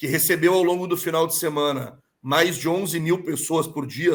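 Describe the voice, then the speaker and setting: A man with a southern Brazilian accent talks at a moderate pace, his pitch fairly high and his intonation fairly even. The recording is very clean, with a silent background. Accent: gaúcho Brazilian Portuguese. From Rio Grande do Sul, southern Brazil. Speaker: motor racing event executive. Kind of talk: interview.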